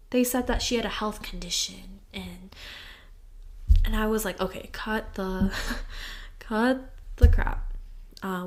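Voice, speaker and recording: Heartfelt young woman guest. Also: medium pitch. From United States. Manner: heartfelt, impassioned. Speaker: podcast guest. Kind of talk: personal interview answers.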